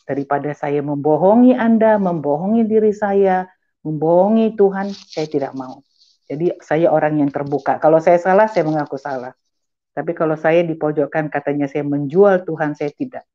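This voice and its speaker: A middle-aged Malaysian woman gives an earnest, emphatic personal religious testimony, slipping in English phrases. Her voice is low-pitched and dark in tone, and the recording sounds muffled.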